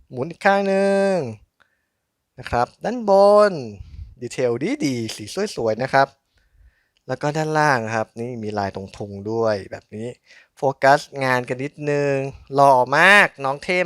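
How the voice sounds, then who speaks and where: Male unboxing host, bright tone, dry sound. Chatty, polite, informal hands-on commentary, thinking out loud. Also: medium pitch, animated, measured pace, dry recording. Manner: polite, chatty, thinking aloud while handling objects. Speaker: host of a collectible toy unboxing channel.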